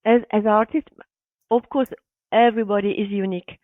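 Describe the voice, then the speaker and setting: A woman's voice: mid-range voice, fairly even intonation, moderate pace, dry recording. A woman guest on a podcast, answering enthusiastically in short, emphatic phrases over a remote call. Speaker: guest, artist and bag designer. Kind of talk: interview answers. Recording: tinny dry call audio.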